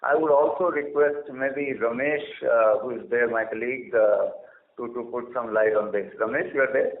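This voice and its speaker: A man answering questions as a company executive on an earnings call, speaking in a halting, deliberate way with long hesitations. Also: mid-range voice. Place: conference call line. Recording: echoey, narrow phone conference line.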